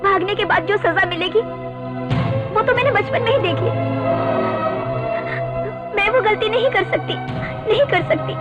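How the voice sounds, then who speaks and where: A woman's voice: very high voice, a little slow, pauses often, over loud music. An actress dubbing a frightened young woman, torn between love and family, pleading desperately. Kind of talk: Hindi film dubbing. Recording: muffled film audio, loud score and crowd.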